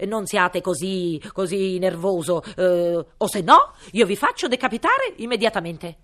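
A bossy king barks commands and threats in a loud, raised storybook voice, as a woman reads him aloud. The voice sits well above her plain tone. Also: medium pitch, big pitch swings, unhurried. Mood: commanding. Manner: shouting commands.

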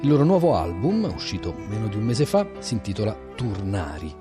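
A man's voice: fairly low pitch, big pitch swings, brisk, music in the background. A man presenting and asking questions as the host of a radio interview.

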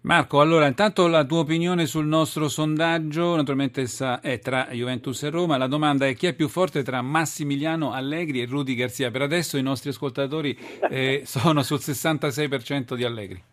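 A man's voice: a little high, fairly even intonation, brisk, few pauses. A man hosting a live sports radio show in a chatty way.

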